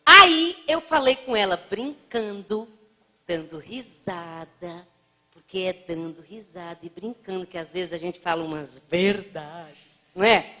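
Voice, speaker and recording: A woman's voice: fairly low pitch, lively intonation, measured pace, bright, forceful tone. A woman giving a spiritist lecture, telling humorous anecdotes and acting out the voices she quotes. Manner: playful storyteller, acts out quoted voices.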